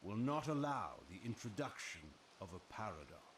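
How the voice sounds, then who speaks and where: Ancient vampire lord, scheming and commanding, theatrical swooping delivery, echoey game audio with hiss. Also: male voice, fairly low pitch, big pitch swings, fairly bright tone. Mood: solemn, ominous. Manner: theatrical, grave, deliberate. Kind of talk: dramatic video game voice acting.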